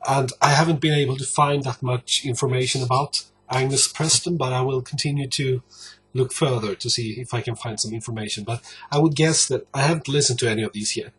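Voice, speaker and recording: Husky-voiced, halting man from Sweden. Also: mid-range voice, fairly bright tone. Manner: hesitant, halting, searching for words. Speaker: record collector presenting a video blog. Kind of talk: casual show-and-tell talk.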